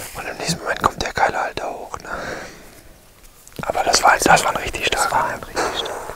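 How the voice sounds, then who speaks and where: The speech moves at a fairly quick pace. The sound is dry with no echo, under loud background noise. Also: man. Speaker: professional hunting guide. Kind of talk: hushed field commentary. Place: open country. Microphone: lapel.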